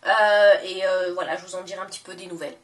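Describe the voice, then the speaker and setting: A woman's voice: fairly low pitch, steady tone, quick pace, recorded from a distance. A young woman talking casually in a makeup haul vlog, chatty and gushing, with many fillers and self-corrections. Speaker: beauty vlogger.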